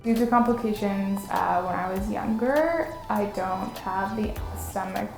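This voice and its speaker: A woman's voice: medium pitch, a little slow, vocal fry, roomy sound, soft background music, low-quality recording. A woman speaking thoughtfully in a documentary interview about food and her collective. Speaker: collective co-founder.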